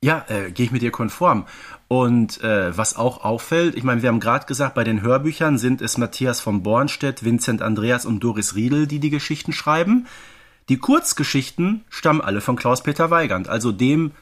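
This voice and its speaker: A man's voice: medium pitch, lively intonation, moderate pace, a bit bright. A man co-hosting a casual fan podcast, explaining things conversationally and often checking for agreement. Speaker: podcast co-host.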